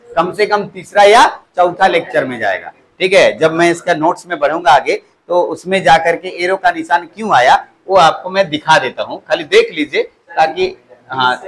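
High-voiced man lecturing a class. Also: a bit bright. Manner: repeats key words as questions to the class. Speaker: polytechnic teacher. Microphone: clip-on mic at the waist.

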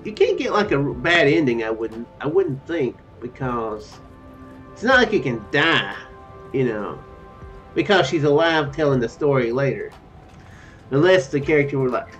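A man's voice: medium pitch, very animated, moderate pace, fairly bright tone. A man in his thirties reading game text aloud as a streamer, breaking off for musing, self-correcting commentary. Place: small room at home, indoors. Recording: dull lo-fi mic, music behind. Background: game music.

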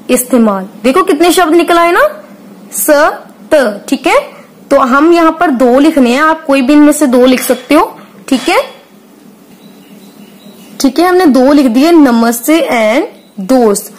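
Slow patient woman teacher, high voice. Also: poor audio. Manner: patient, drawn out, asks and answers her own questions, frequent "theek hai". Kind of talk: slow classroom lesson explaining a workbook.

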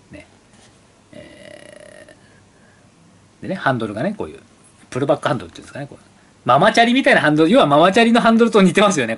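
Husky-voiced chatty man with a lively pitch. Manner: rambling, chatty, asks the viewer questions; reads brochure copy aloud slowly. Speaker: motorcycle channel host. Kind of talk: casual chat over an old brochure.

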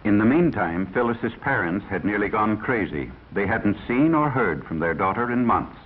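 A man's voice: lowish voice, lively intonation, moderate pace, a little hiss or hum. A middle-aged American man narrating a 1950s educational film in a grave, moralizing manner. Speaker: narrator and presenter. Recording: husky, lo-fi 1950s film soundtrack.

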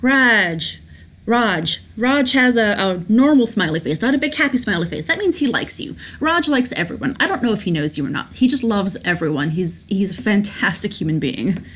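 With a mid-range, fairly bright voice and lively intonation, a woman plays through a story game at home on her laptop at a moderate pace. As a let's play host, she reads the text aloud and gushes over it, giggling, chatting eagerly, and restarting now and then.

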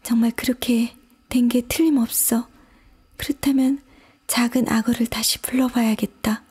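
A curious little girl in whispered role-play, as a woman puts her on, breathy and hushed, questioning herself in bewilderment. Her voice lifts well above a grown woman's own, light and girlish. The whisper is soft and airy, mellow rather than bright. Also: a little high, fairly even intonation, moderate pace, pitched above the performer's own voice. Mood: bewildered. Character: curious puzzled little girl, easily upset.

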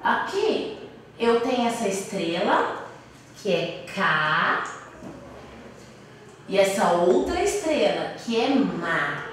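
A Brazilian primary school teacher, a woman, slowly explaining a lesson for young children and sounding out syllables. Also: medium pitch, sing-song, a little hiss or hum. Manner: slow, patient, sounds out syllables. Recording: echoey room, voice from a distance.

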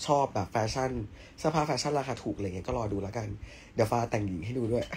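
A man's voice: medium pitch, animated, fast talker, a little mellow, slight background noise. A young man hosting a casual live stream from home, chatting and answering viewer comments in a playful, teasing way.

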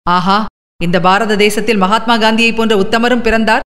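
A woman's voice: fairly high pitch, steady tone, moderate pace, fairly bright tone, close to an everyday voice. A woman voicing a fierce young male idealist who speaks in defiant, indignant outbursts. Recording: long reverb.

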